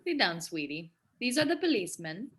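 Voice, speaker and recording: A woman's voice: mid-range voice, very animated, brisk, a bit bright. A woman playing a polite, motherly Spanish matron with brief replies in a script table read. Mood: polite, gentle. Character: polite, matronly Spanish housekeeper named Pilar.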